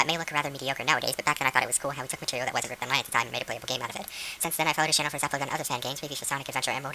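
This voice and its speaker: A woman reading a written document aloud in a rapid, flat read-through without pauses. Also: rumbling low, slight background noise, low-quality recording.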